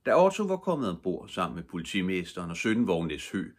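An older man reading a children's storybook at bedtime. His voice is deep and husky. He narrates calmly and gently. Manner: calm, gentle.

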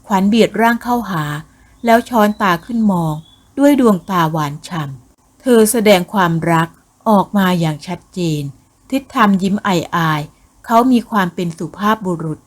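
A woman narrating a Thai ghost novel as an audiobook, with a measured, expressive reading. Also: mid-range voice.

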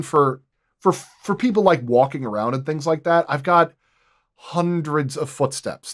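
A man chats as a podcast guest about his work as a sound designer. He speaks at a middling pitch and explains things casually, often repeating words as he thinks aloud.

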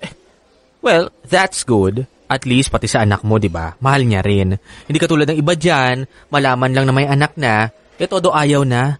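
A man's voice: medium pitch, normal speed, dry recording, close to an everyday voice. A man playing a sassy, gossipy, campy gay best friend with a Filipino accent in a radio drama. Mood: concerned, probing. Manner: campy, exclaiming, teasing.

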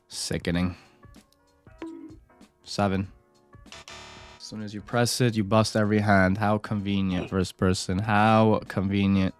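A man streaming casino games, talking casually and swearing as he comments straight to his viewers. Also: fairly low pitch. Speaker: gambling streamer. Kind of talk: casual commentary while playing.

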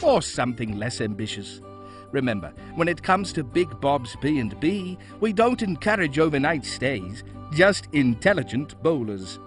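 A man playing an earnest, upbeat pitchman in a parody radio commercial. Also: very animated, normal speed, soft background music, close to an everyday voice. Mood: upbeat, salesy.

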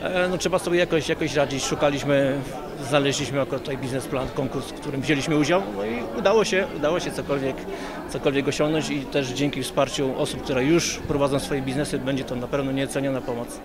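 A man in his forties answers a reporter, hesitating and restarting as he looks for words. His pitch is middling, with a loud crowd behind him. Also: brisk. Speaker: contest laureate. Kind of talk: news interview.

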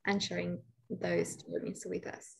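A young woman from Colombia commenting and asking a question in a webinar, halting as she searches for words. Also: lowish voice, flat delivery, gravelly, husky. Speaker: audience discussant. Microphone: laptop mic on video call.

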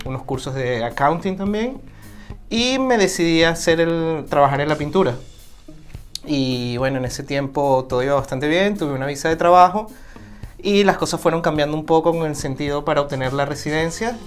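A man, a guest telling his own story in a relaxed, reflective way in a small office. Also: fairly high pitch, clean tone. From Venezuela. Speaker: interview guest. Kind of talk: casual personal account.

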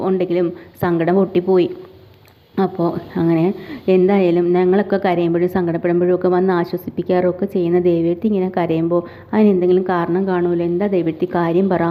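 A woman casually retelling a TV serial's plot, chatty and full of fillers and asides. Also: fairly low pitch. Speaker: TV serial recap narrator. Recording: tinny phone-like audio.

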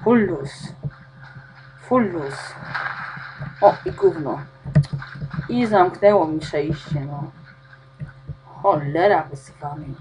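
Swearing frustrated woman gamer, slow talk. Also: sits low, background noise. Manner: frustrated, swearing constantly, talking to herself. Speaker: gamer playing a video game. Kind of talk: swearing gameplay commentary.

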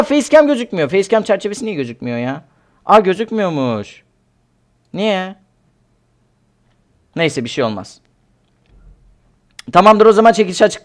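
A man streaming a game live, excitable and talkative, yelping and shouting at the action while chatting to viewers. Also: high-pitched. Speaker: gaming streamer.

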